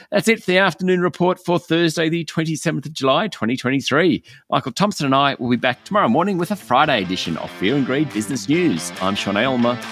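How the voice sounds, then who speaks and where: Casting: Australian male business news anchor, brisk market bulletin read, very varied intonation, dry studio-style sound. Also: fairly high pitch, fairly bright tone, no echo.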